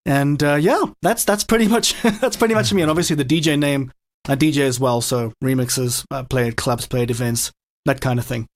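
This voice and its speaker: A man's voice: medium pitch, fairly quick. A man, a guest music producer and DJ, talking in an upbeat, chatty way in an interview. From South Africa. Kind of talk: casual interview chat.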